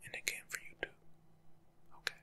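A young man doing soft-spoken ASMR as a laid-back, rambling life coach, husky and often slipping into a whisper. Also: brisk. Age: young adult. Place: small room at home.

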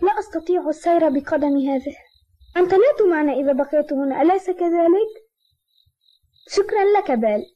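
A woman voicing a cheerful, affectionate little boy in an Arabic cartoon dub, with an excitable, childlike delivery. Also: high voice, a little fast. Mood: gentle. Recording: dull old TV dub, music underneath.

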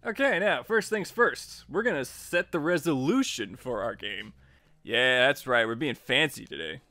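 A man narrating a casual software tutorial as its host, in an informal, jokey and playfully emphatic way. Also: mid-range voice, expressive, moderate pace, no echo. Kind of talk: casual tutorial narration over screen recording.

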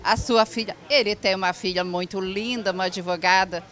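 A woman's voice: medium pitch, steady tone, normal speed, fairly bright tone. A middle-aged woman, hosting a variety show, chatty and affirming while interviewing at an indoor event stand on a handheld mic.

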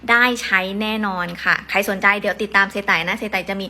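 Bright-voiced woman teaching casually. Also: mid-range voice, flat delivery, quick pace. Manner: chatty, playful, repeats words for practice. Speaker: Japanese language teacher. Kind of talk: casual video lesson.

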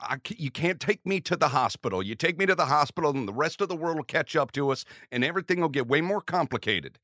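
An actor playing a dazed, stubborn young man in a naturalistic audio drama, halting and defensive. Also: fairly high pitch, animated, pushed and bright, no room sound, studio quality. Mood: stubborn, urgent.

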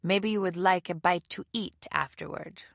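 A woman's voice: fairly low pitch, moderate pace, vocal fry, a bit bright, no room sound, clean studio sound, pitched above the performer's own voice. A woman voicing a polite foreign man with a slight foreign accent, speaking formally and carefully in an audiobook.

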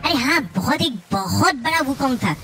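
A man's voice: extremely high pitch, animated, moderate pace, pushed and bright, soft background music, pitched above the performer's own voice, full character voice. A man putting on a cheeky, nagging sidekick voice that teases and asks whiny questions during gameplay commentary. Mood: teasing.

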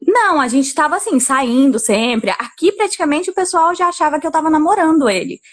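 A woman's voice: sits high, expressive, a little fast. A woman, telling her dating story in a chatty way, often quoting others. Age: 20s. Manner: chatty, quotes others, lots of fillers. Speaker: caller. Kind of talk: casual storytelling.

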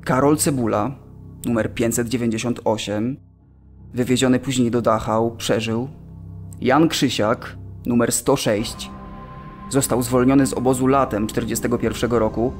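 An actor playing a solemn camp survivor, remembering in a deliberate, reflective radio drama monologue. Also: male voice, medium pitch, fairly even intonation, soft background music, natural voice.

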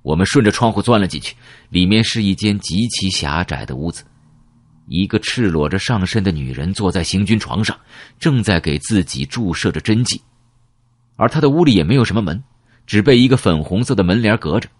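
A man narrating a first-person novel in an expressive storytelling manner. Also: sits low, brisk, no room sound, studio quality. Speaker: audiobook narrator.

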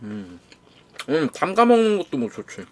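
Lively man chewing while talking. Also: on the high side, moderate pace, a little hiss or hum. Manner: relaxed, mumbled comments between bites. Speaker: mukbang streamer. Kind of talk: casual live-stream chat while eating.

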